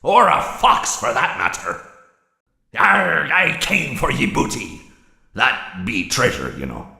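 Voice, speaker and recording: An actor voicing a cunning, roguish robotic pirate fox for a video game, growling sly, theatrical pirate talk. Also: male voice, mid-range voice, very animated, slow, bright, forceful tone, full character voice. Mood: sly swagger. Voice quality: gravelly, growling. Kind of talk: video game character voice lines. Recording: echoey reverberant sound.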